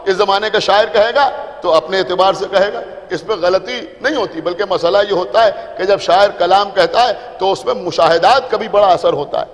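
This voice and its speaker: A man's voice: sits high, hardly any pauses. A male preacher with a Lucknow Urdu accent giving a sermon to a seated congregation, explaining things simply, repeating his points and checking that the audience follows. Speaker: Shia preacher addressing a majlis. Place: large imambara hall. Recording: reverberant hall.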